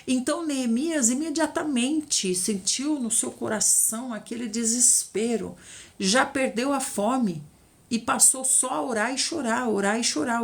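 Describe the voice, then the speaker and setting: A woman's voice: fairly high pitch, gravelly. Chatty Brazilian woman teaching Bible. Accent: Brazilian Portuguese. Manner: chatty storytelling, tag questions, lively retelling. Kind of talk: informal Bible study teaching.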